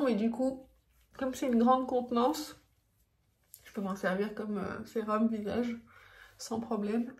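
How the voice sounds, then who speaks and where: A woman's voice: on the high side, darkish tone. A woman talking through her routine in a casual, chatty vlog, with frequent fillers and little laughs. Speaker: beauty vlogger. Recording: echoey room, faint background noise.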